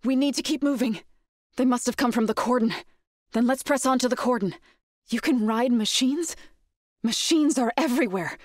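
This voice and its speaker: An actress voicing an earnest young tribal woman warrior in a video game, grave and devout, with measured, careful phrasing. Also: on the high side, no echo, clean studio sound, lightly acted. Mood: urgent, alert. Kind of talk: video game character voice acting.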